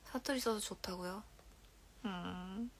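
A woman's voice: mid-range voice, slow, a little hiss or hum. A young woman in her twenties with a Korean regional accent, chatting casually on a livestream from a dim bedroom, reading comments aloud and often dropping into whispers and giggles. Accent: Korean regional dialect. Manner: soft-spoken, drifts into whispers and giggles. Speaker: idol livestream host. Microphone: phone held at arm's length.

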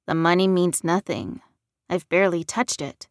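A woman's voice: lowish voice, moderate pace, no room sound, clean studio sound, lightly acted. A woman voicing a tired, concerned man in an audiobook story, earnest and a little defensive. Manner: sympathetic, earnest, mildly annoyed.

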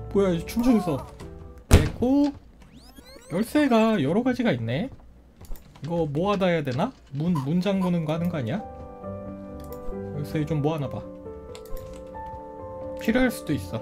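A woman giving playful gameplay commentary, excitable, with frequent exclamations and laughter, and talking to the characters on screen. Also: on the low side. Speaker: gameplay video creator. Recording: game music clearly audible behind the voice.

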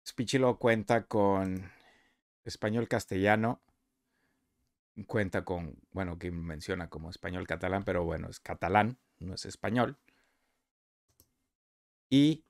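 Low gravelly man explaining software. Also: no room sound, clean studio sound. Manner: conversational, explaining step by step. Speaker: software reviewer. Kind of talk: screen-recorded software walkthrough. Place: voice-over on a screen recording.

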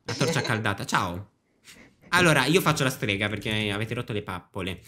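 Bright-voiced teasing young Italian-speaking man. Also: lowish voice, expressive, fairly quick. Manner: teasing, playful, bossy game leader. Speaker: host and game leader. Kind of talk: casual gaming chat with friends.

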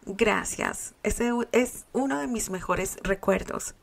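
A woman's voice: mid-range voice, slow, creaky. A woman reading a fan story aloud and voicing a sweet, bashful, curious young girl. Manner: earnest, shy.

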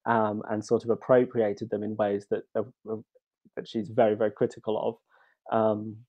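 Man, 30s, head cold, low voice, flat delivery, hesitant academic talk, laptop video call. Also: normal speed, muffled recording. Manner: hesitant, many fillers and restarts. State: has a cold, sniffling. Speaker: academic speaker. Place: home room at a wall hanging.

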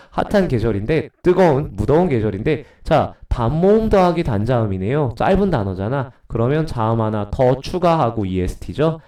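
A man's voice: medium pitch, darkish tone, recorded from a distance. A middle-aged man with a cold and a stuffy nose, teaching English grammar to middle schoolers in a recorded lecture, chatty and answering his own questions.

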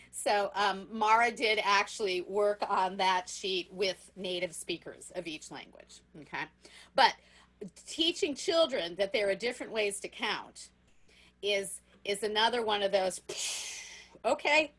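A middle-aged woman leading a teacher workshop over a video call, chatty and unhurried, often laughing and asking okay. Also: mid-range voice, a bit bright. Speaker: music workshop leader for teachers.

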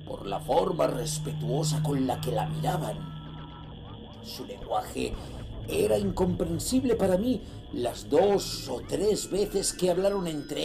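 An actor from playing a ruthless sea trader, narrating his grim confession slowly and gravely in a horror audio drama. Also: mid-range voice. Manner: slow, grave, dramatic delivery.

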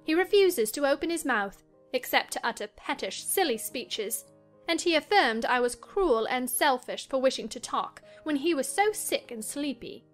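Spoiled, excitable young lady of a classic novel, played by a woman; high voice, emphatic, music underneath. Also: moderate pace. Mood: restless, complaining. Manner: emphatic, self-assured. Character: willful, spoiled, excitable young gentlewoman, married. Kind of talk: dramatized audiobook reading of a classic novel.

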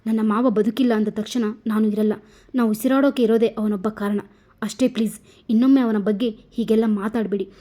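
A woman's voice: a little high, brisk, close to an everyday voice. A woman voicing a spirited, pouting young woman in a told story. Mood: pouty. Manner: pouting, lively. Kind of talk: storybook narration.

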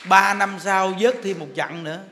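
A man's voice: sits high, fairly even intonation, normal speed, bright, forceful tone, a little hiss or hum. A middle-aged man with a Southern Vietnamese accent giving a humorous sermon as a monk, joking and teasing like a chatty storyteller. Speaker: monk giving a dharma talk. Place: temple hall. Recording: long hall reverb.

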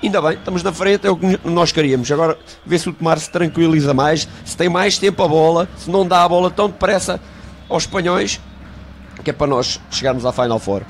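A man's voice: on the high side, fast, a little hiss or hum. A man giving informal match analysis as a pundit.

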